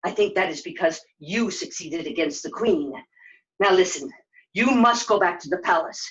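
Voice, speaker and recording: Puppet-show father figure, noble knight, gentle, measured, reassuring, played by a woman; dull live sound. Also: on the low side, lively intonation, far from the mic, natural voice. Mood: earnest.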